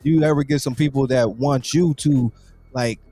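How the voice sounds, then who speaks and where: Casting: male talk show host, average pitch, informal and slangy, repeats himself while shaping questions. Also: fairly even intonation, moderate pace, warm tone, slight background noise. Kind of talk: casual interview chat.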